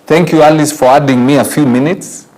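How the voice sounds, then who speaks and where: A man's voice: on the high side, fairly quick, poor audio. A middle-aged man with a Kenyan accent, giving a preachy closing commentary as talk show host. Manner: animated, laughs often, preachy.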